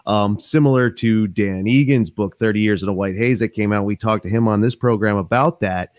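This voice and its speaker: A man in his thirties hosts a podcast from a small home office, speaking into a desk microphone on a stand in a lowish, brisk voice. The casual interview chat is rambling and animated, full of fillers and restarts, with a dry, close sound.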